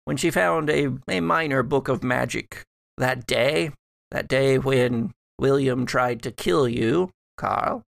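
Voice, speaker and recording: A man's voice: on the high side, creaky, a bit bright, no room sound, clean studio sound, exaggerated voice. A man playing a regretful dead ancestor in a gothic tabletop story, speaking in hesitant, broken phrases.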